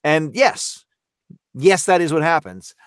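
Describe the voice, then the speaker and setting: A man in a casual podcast discussion, talking expressively and halting to repeat words as he thinks. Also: fairly high pitch, very animated, clean tone, no room sound, clean studio sound. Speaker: voice actor, podcast guest.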